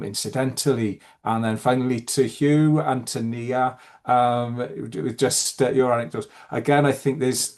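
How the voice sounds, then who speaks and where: Halting man chairing an online forum. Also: medium pitch, a little mellow. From Wales. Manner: hesitant, many fillers and restarts. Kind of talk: online meeting chat.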